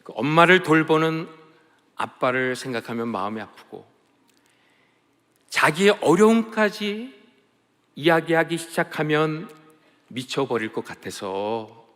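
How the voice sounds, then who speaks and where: A man, a pastor, preaching a sermon as emotional storytelling that swings between loud and hushed. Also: mid-range voice. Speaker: pastor and missionary. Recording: long hall reverb.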